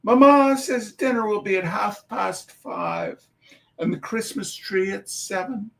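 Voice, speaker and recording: A man's voice: high voice, expressive, measured pace, creaky, a bit bright, voice pushed up, full character voice. A man voicing a prim little girl. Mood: polite, earnest. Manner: prim, careful letter reading. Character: young girl writing a polite invitation. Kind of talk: storybook reading.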